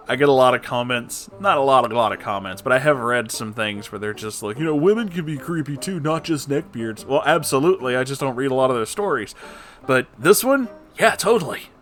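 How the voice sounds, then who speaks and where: Here a male story-channel host works through online posts aloud, his medium-pitched voice animated as he adds jokey, offhand remarks along the way.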